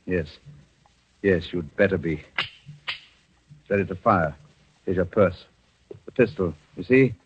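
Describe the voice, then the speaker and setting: Cold controlling husband, low key menace, 1940s radio drama, muffled. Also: male voice, slow pace, pauses often, a little hiss or hum. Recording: dull old radio broadcast.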